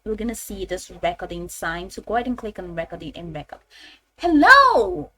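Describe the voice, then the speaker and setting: A woman narrating a step-by-step software tutorial in an informal, instructional way, often repeating her phrases. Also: medium pitch.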